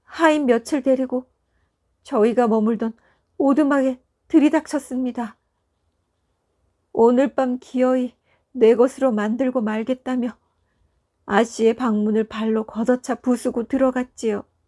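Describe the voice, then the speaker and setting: On a very clean, dry and close recording with a silent background and no echo, a woman speaks fairly slowly in a high, dark and mellow voice with fairly even intonation and long, frequent pauses. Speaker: storyteller who records audiobook-style folk tales. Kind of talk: sleep story narration.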